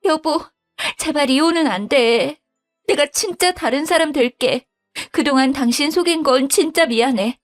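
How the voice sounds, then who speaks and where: A woman voicing a scheming young wife who begs and stammers in a whiny, high voice. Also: normal speed, soft background music, natural voice. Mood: pleading. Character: pleading scheming young wife, daughter-in-law.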